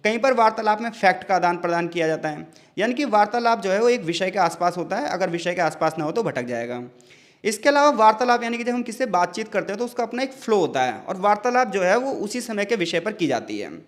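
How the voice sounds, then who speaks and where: A man's voice: high-pitched, lively intonation, fast talker. A man tutoring for an exam in a conversational lecture, asking rhetorical questions and acting out example sentences in different tones. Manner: conversational, addresses listeners as bhai, uses rhetorical questions. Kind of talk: Hindi exam-prep lecture.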